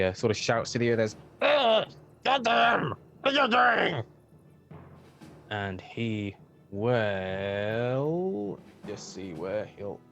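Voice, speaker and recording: A man acting as dungeon master, calmly narrating a tabletop game and talking through rolls and moves. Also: fairly low pitch, highs cut off.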